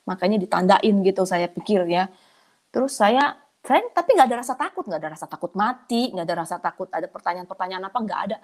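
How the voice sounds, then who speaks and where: Woman, mid-pitch, casual testimony storyteller, animated, restarts and quotes herself often. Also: quick pace. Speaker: testimony speaker.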